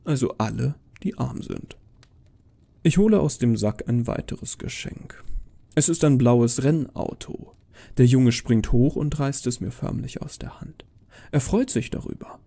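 A man's voice: mid-range voice, a little slow, creaky, dark tone. A man reading a first-person horror story as a dramatic, scripted narration.

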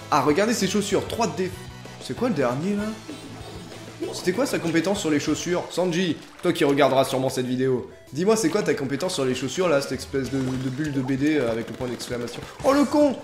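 A young man giving jokey, excitable commentary over an online game he is playing, dropping into low mutters and bursting into loud exclamations. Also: brisk. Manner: excitable, jokey, swings between mutters and outbursts. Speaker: gaming YouTuber. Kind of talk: let's play commentary. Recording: echoey room with game music behind.

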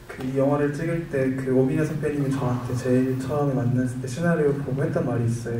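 Measured young man in an echoey hall. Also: medium pitch, dark tone, slight background noise. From Jeju, Korea. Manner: measured, explanatory, with many hesitations. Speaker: film director. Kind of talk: press conference answers. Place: large event hall stage, seated. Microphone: handheld mic. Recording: echoey hall, distant mic.

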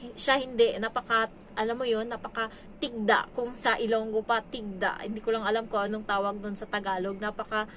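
A woman from the Philippines chats through stories from her work as a domestic helper, acting out what others said along the way. Her voice sits a little high, with a faint hum of noise behind it. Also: flat delivery, brisk, a bit bright. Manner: chatty, acts out quoted dialogue. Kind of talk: casual storytelling vlog.

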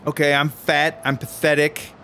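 A man playing a needy, aggrieved, guilt-ridden screenwriter in a radio drama, with an excitable, slangy way of talking. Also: on the high side, a little hiss or hum. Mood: guilty, pleading. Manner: excitable, slangy, halting when upset. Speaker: actor in a serialized radio drama. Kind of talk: naturalistic radio drama acting.

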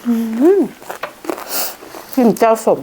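A woman with a northeastern Thai Isan accent chatting casually as an eating vlog host, with savoring hums between her phrases. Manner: chatty, punctuates talk with savoring hums and drawn-out polite particles. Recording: noisy recording with dish clatter.

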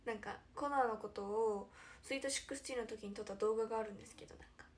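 A young woman chatting casually on her livestream with a slightly high-pitched voice. She is giggly and animated, and she often drops to a near-whisper. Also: rapid-fire. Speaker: idol livestream host.

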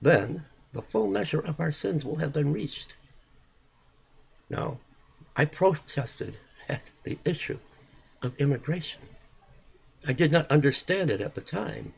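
A man reads religious text aloud in the manner of a preacher. His voice is somewhat high and gravelly, and it rises and falls dramatically. He phrases solemnly and deliberately, leaning hard on words and pausing for emphasis. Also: lively intonation, muffled recording. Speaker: preacher reading a written prophecy aloud.

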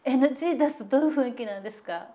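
A woman host with a slightly high voice who asks her guest one question after another with a lively rise and fall. She drops in bright responses and keeps the show moving. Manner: bright reactions, quick follow-up questions. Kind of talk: TV-style interview hosting. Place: guest's home, indoors.

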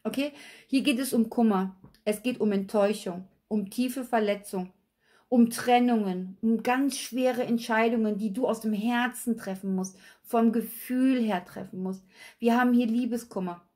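A woman, slightly hoarse, giving a chatty tarot reading at a table and often checking in with viewers. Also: on the high side, normal speed, a little mellow. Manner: chatty, repeats okay? and addresses viewers directly. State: slightly hoarse, recovering from illness. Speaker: tarot reader. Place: at a table with cards and a candle, indoors.

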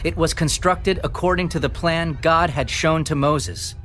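An actor playing an impassioned early Christian preacher, solemnly recounting ancient history in a declamatory dramatized scripture reading. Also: male voice, on the high side, a little slow, fairly bright tone, slight background noise. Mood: rising, impassioned. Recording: studio reading over prominent background music. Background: music.

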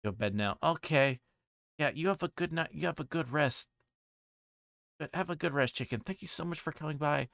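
A man livestreaming a visual novel, reading it aloud in a casual, halting way that stumbles over words. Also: a little high, vocal fry, fairly bright tone, dry recording, clean studio sound. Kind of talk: casual narrated read-aloud.

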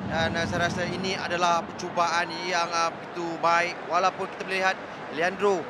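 A man giving match analysis over replays, measured and hesitant, with many fillers. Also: sits high, monotone. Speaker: co-commentator analyst. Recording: broadcast with loud background noise.

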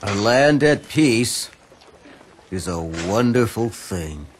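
A gentle, wise strategist who muses aloud in a slow, reflective way. His voice sits on the low side, and its pitch rises and falls a lot. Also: expressive, slight background noise. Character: calm hooded male strategist, gentle and wise. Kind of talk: video game cutscene.

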